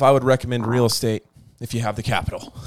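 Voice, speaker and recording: In a very clean recording with a silent background, a man with a plain, everyday voice talks at a fairly quick pace in a medium pitch. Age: 20s. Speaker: pro Supercross racer and podcast host. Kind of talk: casual chat.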